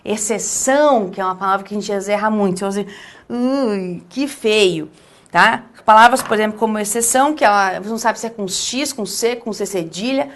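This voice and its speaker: With a Brazilian Portuguese accent, a woman teaches essay writing, slowly drawing out key words for emphasis and often checking in with the listener. Her voice is mid-range and a bit bright.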